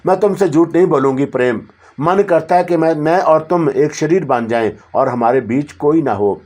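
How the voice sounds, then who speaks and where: A man's voice: a little high, natural voice. A man voicing a devoted, lovesick young female spirit who speaks tenderly and with longing. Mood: yearning. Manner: tender, yearning, softly pleading.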